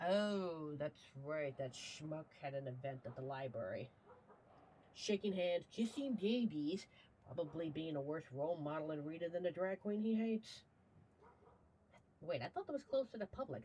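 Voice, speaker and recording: A woman's voice: sits low, lively intonation, normal speed, mellow, a little hiss or hum, rough recording. A woman playing a brash, charming, apologetic mafia boss in an audio roleplay, with a wry, flirtatious and theatrical delivery. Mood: muttered scolding. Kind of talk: audio roleplay acting addressed to the listener.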